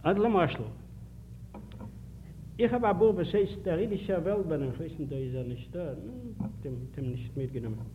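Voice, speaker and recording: A man's voice: fairly high pitch, normal speed. Man lecturing on a tinny old tape. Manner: animated, emphatic, rhetorical questions to the audience. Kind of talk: public lecture with anecdotes. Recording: tinny archival 1950s lecture tape with faint hiss.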